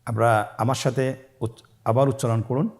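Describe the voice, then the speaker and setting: A man's voice: medium pitch, fairly even intonation, normal speed. Bangladeshi guy teaching quran letters, patient, says each one and waits for you to repeat. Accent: Bangladeshi Bengali. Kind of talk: step-by-step Arabic letter lesson.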